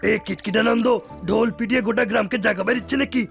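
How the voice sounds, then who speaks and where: A man's voice: high voice, fairly even intonation, fast talker, creaky, faint music behind. A man voicing a grumpy, sarcastic, scolding character in a children's cartoon. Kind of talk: dubbed children's cartoon acting.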